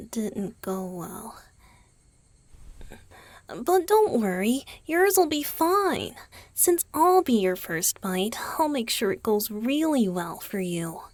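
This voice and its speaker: A woman voicing a gentle, youthful male vampire boyfriend in a romantic ASMR roleplay, soft and hesitant. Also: medium pitch, full character voice. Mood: hesitant, reassuring. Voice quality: soft, breathy, husky. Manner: hesitant, tender, sighing delivery.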